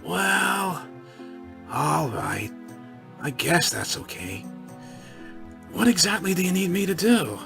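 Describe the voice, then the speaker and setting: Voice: mid-range voice, very animated, slow pace, gravelly, pauses often, a bit bright, soft background music, full character voice. A narrator playing a brash sporty pony mare. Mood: puzzled. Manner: eager, brash, blunt. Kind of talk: fan storybook reading.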